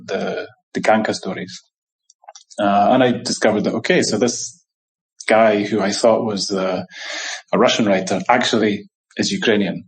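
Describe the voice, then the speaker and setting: A middle-aged man from Scotland with a lowish voice, speaking as a scholar in a relaxed interview. He thinks aloud, pausing on "um" and "you know" and restarting phrases as he goes. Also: poor audio. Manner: thoughtful, many fillers and restarts. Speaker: scholar and translator, interview guest. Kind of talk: reflective interview conversation.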